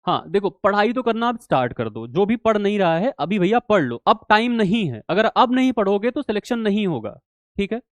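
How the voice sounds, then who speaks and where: His high voice swings widely in pitch as this young man, talking fairly quickly, works through quiz questions in a live online exam-prep class. Casual in manner, he calls students bhai, checks in often, and repeats "theek hai" and "clear". No room sound comes through.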